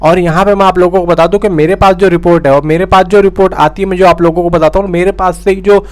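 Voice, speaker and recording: A man's voice: high voice, steady tone, fast. A young man giving a casual, insistent film news update to his viewers, repeating himself and calling them brothers and friends. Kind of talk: casual direct-to-camera update.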